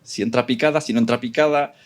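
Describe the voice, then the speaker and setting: A man's voice: medium pitch, steady tone, fast talker. A man moderating a casual debate, jumping in informally and often repeating his words. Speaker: panel moderator.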